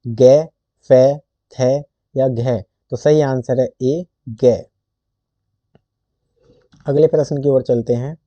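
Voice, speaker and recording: Slow, dark-voiced male tutor. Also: medium pitch, fairly even intonation, dry recording. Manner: reads options slowly, then states the answer. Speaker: Hindi exam tutor. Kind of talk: quiz lesson reading questions and answers. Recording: dull lo-fi recording.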